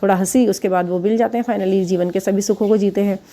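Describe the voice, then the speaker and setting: A woman's voice: medium pitch, steady tone, quick pace, dark tone. A woman who does readings, giving chatty relationship advice straight to her viewers, laughing now and then at her own examples. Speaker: spiritual relationship reader. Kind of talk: casual advice talk to viewers.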